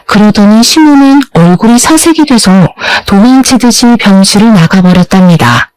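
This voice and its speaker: A woman's voice: medium pitch, expressive, normal speed, a little mellow, clear, resonant tone, no echo, rough recording. Woman narrating a confiding story. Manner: confiding, emotional. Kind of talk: first-person story narration.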